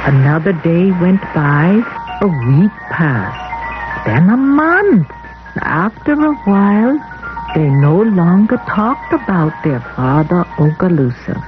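A woman playing a mother who tells her children an old folktale in measured, deliberate storytelling, on a muffled old film soundtrack. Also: on the low side, sing-song. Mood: solemn storytelling. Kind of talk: scripted folktale narration. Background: music.

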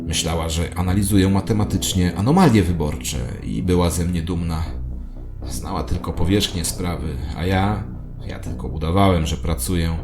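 A man's voice: deep voice, normal speed. A man narrating a scripted first-person audio drama in a literary, confessional storytelling manner. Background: music.

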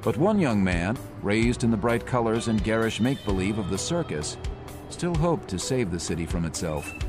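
A man narrating in a measured, descriptive way. His voice sits very low. Music plays clearly beneath him. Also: sing-song. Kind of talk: scripted narration.

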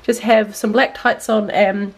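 A woman's voice: mid-range voice, little pitch movement, a little slow, vocal fry. A woman in her twenties with a New Zealand accent, chatting informally as a vlogger, with "like" sprinkled through her talk. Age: 20s. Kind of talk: casual chatty vlog to camera. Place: rooms at home. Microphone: handheld camera at arm's length.

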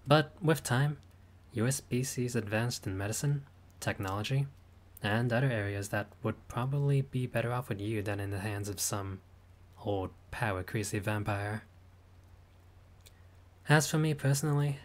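A man voicing a friendly, laid-back male vampire host with dry teasing humor in a roleplay audio. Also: natural voice. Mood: easygoing. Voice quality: low voice, dry teasing humor, grandly theatrical at times.

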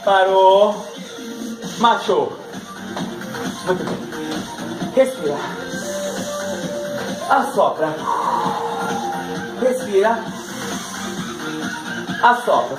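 A man's voice: sits high, very animated, slow, pauses often. A middle-aged man with a Brazilian accent leads an exercise class for older pupils, counting and cheering them on between laughs. He is picked up by a camera across an echoey living room. Music plays steadily behind him. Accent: Brazilian Portuguese. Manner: upbeat counting and cueing, frequent laughs. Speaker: fitness instructor.

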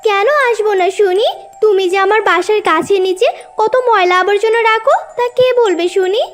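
A woman's voice: very high voice, steady tone, normal speed, soft background music. A woman voicing a cheeky, quarrelsome little bird in a children's cartoon, defiant and argumentative. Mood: indignant.

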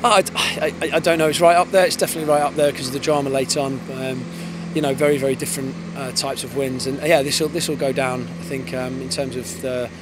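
A man in his thirties, an English football head coach, giving a post-match interview outdoors on a floodlit pitch at night, fast and thoughtful with many restarts. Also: fairly even intonation. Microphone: handheld interviewer mic. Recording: outdoor with clear background noise.

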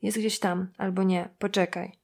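A woman's voice: mid-range voice, little pitch movement, moderate pace, gravelly. Woman putting on a brash, defiant young woman. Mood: scornful. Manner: brash, mocking and snappy. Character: defiant volatile young woman, sharp-tongued.

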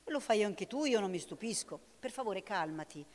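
A big black harbor tomcat, voiced by a woman reader, earnest and persistent, from a storybook. His voice sits at a middle pitch for a woman. The voice rings in a hall with long reverb. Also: lively intonation, normal speed, a little mellow, lightly acted. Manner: pleading, earnest.

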